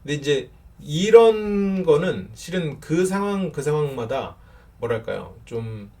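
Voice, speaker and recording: A middle-aged man giving casual counseling advice with a fairly loud voice, talking in an animated way and laughing often. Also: on the high side, measured pace. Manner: animated, laughs often, acts out short example lines. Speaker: counselor answering viewer questions.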